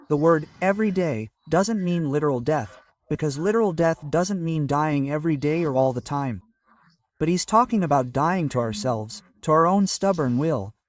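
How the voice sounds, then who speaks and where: A man's voice: a little high, no room sound. Man preaching from a distance, dry sound. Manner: measured preaching with scripture citations. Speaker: pastor. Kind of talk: sermon.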